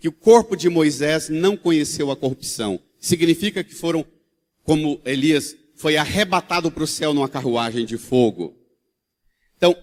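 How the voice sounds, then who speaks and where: A priest from central Brazil preaches to his congregation, retelling old stories in a lively, homespun manner. His voice sits a little high for a man. A long church reverb trails each phrase. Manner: storytelling, animated, with colloquial asides. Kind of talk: sermon. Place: large church.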